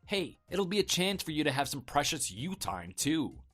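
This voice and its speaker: Man acting a smooth-talking, animated husband. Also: a little high, moderate pace, soft background music, exaggerated voice. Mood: upbeat, persuasive. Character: evasive, smooth-talking husband coaxing his wife. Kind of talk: scripted dialogue for an online story drama.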